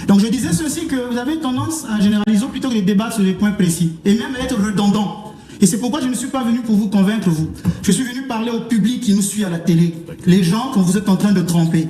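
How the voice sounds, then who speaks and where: A man's voice: sits high, dark tone. A man from Africa speaking as a clergyman in a televised religious debate, lecturing his opponent in an argumentative, reproachful manner. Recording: roomy, echoing sound.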